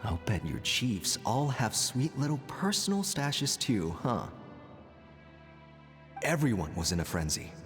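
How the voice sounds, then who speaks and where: An actor playing a scheming, self-justifying tribal chief in a video game, condescending and theatrical. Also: male voice, medium pitch, big pitch swings, unhurried, a bit bright. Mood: smug, mocking. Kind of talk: dramatic game dialogue. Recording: long reverb, music underneath.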